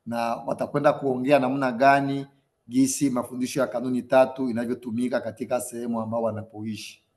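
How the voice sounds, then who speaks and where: A man's voice: mid-range voice, a little mellow. A man works as an interpreter on a video call, steadily relaying each passage after the host. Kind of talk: interpreting a webinar.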